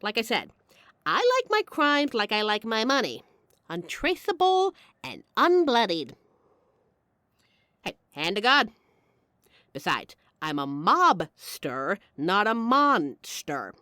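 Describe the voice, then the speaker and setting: A woman's voice: mid-range voice, wildly swooping pitch, takes it slowly, long pauses, bright, forceful tone, dry recording, studio quality, full character voice. A woman playing a brash, charming, apologetic mafia boss in an audio roleplay, with a wry, flirtatious and theatrical delivery. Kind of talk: audio roleplay acting addressed to the listener.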